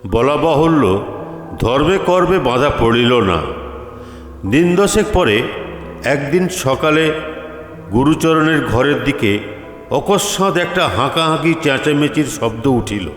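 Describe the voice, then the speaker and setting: A man narrating a literary story dramatically, in measured phrases with pauses between them. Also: medium pitch, animated. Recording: echoey hall with long reverb. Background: faint music.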